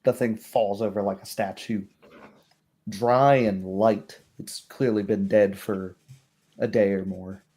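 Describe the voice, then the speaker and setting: A man narrating a tabletop roleplay game as game master in a measured, descriptive way. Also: on the low side, fairly even intonation, dark tone.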